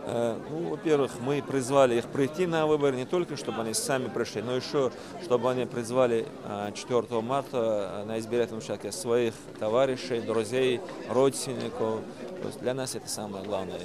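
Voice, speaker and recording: Man speaking haltingly over crowd. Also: mid-range voice, fairly even intonation. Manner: measured, hesitant official speech. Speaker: official speaking at a meeting.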